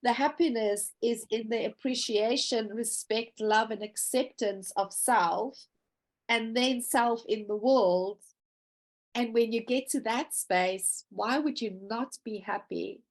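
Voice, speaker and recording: A woman hosting a podcast, speaking in a deliberate, reflective way. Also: a little high. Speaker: podcast host. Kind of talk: reflective interview chat.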